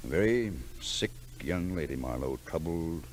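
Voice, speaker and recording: An actor playing a patronizing, secretive man, measured and soothing, in 1940s radio drama style. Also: deep voice, expressive, slight background noise. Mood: grave. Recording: vintage radio recording.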